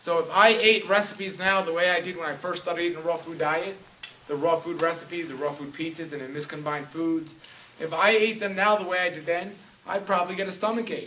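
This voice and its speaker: A man with a New York accent talks very fast in a high pitch with fairly even intonation over noticeable background noise. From US Northeast (New York City). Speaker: raw food author and speaker. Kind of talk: public talk to live audience.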